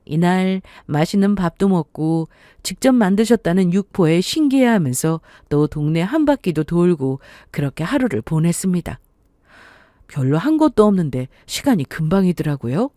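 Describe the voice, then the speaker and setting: Brief: woman storyteller, calm scripted narration, dry close mic. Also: lowish voice, no room sound.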